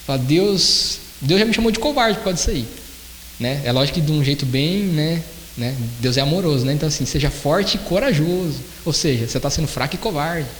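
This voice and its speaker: A man preaching a sermon in a church, conversational and animated, sharing personal testimony. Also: fairly high pitch, a little fast. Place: church hall. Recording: echoey church hall with faint hiss.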